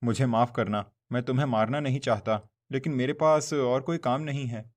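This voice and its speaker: A man's voice: mid-range voice, moderate pace, natural voice. A man voicing an honest, poor young man in a cartoon, talking earnestly and pleadingly. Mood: sorrowful. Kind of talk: Hindi cartoon voice acting.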